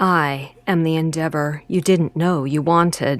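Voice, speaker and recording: The speaker performs a put-on character voice. It sits at a middle pitch and unfolds fairly slowly. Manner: intense, dramatic.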